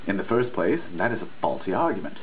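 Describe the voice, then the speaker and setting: Here a man with a lowish, very animated voice reads a dissertation aloud at a quick pace. He is emphatic and preachy in his earnestness, stumbling over words from time to time. A faint noise sits under tinny, telephone-style audio.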